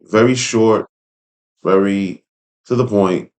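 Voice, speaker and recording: A man's voice: lowish voice, slow pace, darkish tone. A man hosting a casual read-along commentary, speaking in an informal, opinionated way with conversational asides. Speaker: host and commentator. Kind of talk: casual commentary while reading an article aloud.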